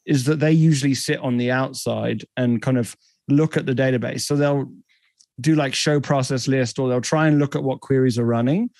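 A man's voice: medium pitch, steady tone, moderate pace, a little mellow, no echo. A man in his thirties with a British accent, a guest explaining technology fluently in a podcast interview over a headset from a home office. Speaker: guest, tech company CEO.

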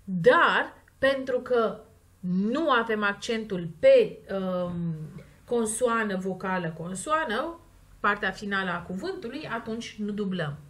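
A woman with a Romanian accent, teaching English grammar and stressing the example words slowly and clearly. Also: medium pitch, expressive. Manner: slow, stressed model words between quick explanations. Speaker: language teacher. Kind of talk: explaining grammar in a recorded lesson.

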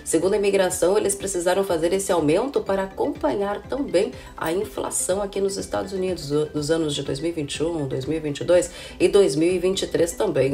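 Her voice, on the low side and mellow, is hoarse and roughened by a cold. This woman in her thirties, an immigration consultant and channel host, explains things casually in a vlog shot by a close camera in an indoor room with window blinds, calling her viewers "gente" and leaning on "né?" and "viu?".

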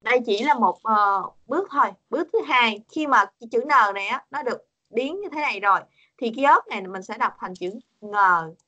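A woman's voice: fairly high pitch, animated, brisk, bright, forceful tone, muffled recording. A woman teaching a Korean pronunciation lesson over a video call, patient and coaxing, repeating words for her students.

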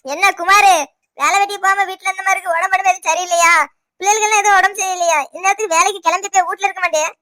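Cartoon: woman as a money-minded sister-in-law, stern and preachy, fast and bright, Tirunelveli Tamil. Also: very high voice, fairly even intonation. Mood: lecturing. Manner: lecturing, blunt, money-minded. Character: rich, scolding older sister-in-law. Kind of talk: animated cartoon voice acting.

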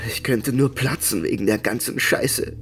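A man's voice: medium pitch, normal speed, a bit bright, natural voice. An actor playing a distraught, bitter ex-military man in a radio play, speaking bluntly and agitatedly. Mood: bitter, upset. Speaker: actor in an audio drama. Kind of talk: German radio play acting.

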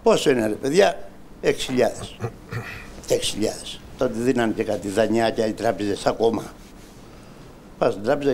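A man's voice: medium pitch, a little mellow, slight background noise. A man in his sixties from Greece, an audience member telling his grievance in an impassioned, aggrieved way and speaking directly to the host and a minister. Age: 60s. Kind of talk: impassioned personal account on a talk show.

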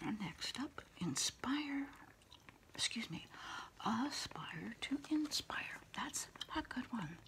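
A middle-aged woman doing a quiet ASMR roleplay, whispering softly and unhurriedly, close to the mic. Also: fairly high pitch, very animated. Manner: soft, unhurried whispering, reading short phrases aloud.

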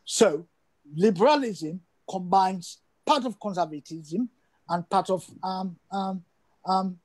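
A man's voice: high-pitched, slow, darkish tone. An older man from Sierra Leone, a guest on a video call interview, speaking emphatically and repeating phrases for stress. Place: indoor room at home.

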